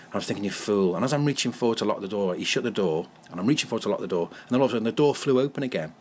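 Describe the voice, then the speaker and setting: A man's voice: lowish voice, expressive, rapid-fire, a little mellow, a little hiss or hum. A man from the Wirral with a Merseyside accent, a comedian telling anecdotes in a casual chat, laughing often and restarting his sentences. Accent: Merseyside English. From Wirral, England. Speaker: comedian guest.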